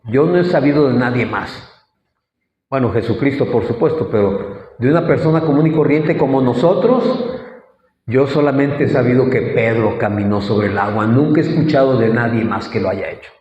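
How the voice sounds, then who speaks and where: A man's voice: medium pitch, normal speed, darkish tone. A man preaching a sermon, asking the congregation questions and acting out the quoted lines. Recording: echoey hall, dull lo-fi sound.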